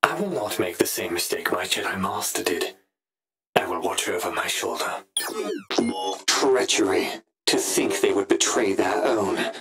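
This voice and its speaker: A man voicing an ambitious, brooding Sith Inquisitor in a pompous, deliberate, theatrical monologue for a scripted audio log. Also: sits low, creaky, music in the background. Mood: brooding, wary. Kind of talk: scripted in-character log narration.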